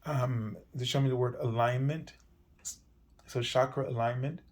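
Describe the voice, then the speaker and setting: A man with a medium-pitched voice leads a weekly tarot reading. He talks gently and circles around his points, often pausing on fillers and starting over. His voice carries a slight hoarseness. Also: fairly even intonation, a little hiss or hum. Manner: meandering, gentle, many fillers and restarts. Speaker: tarot reader.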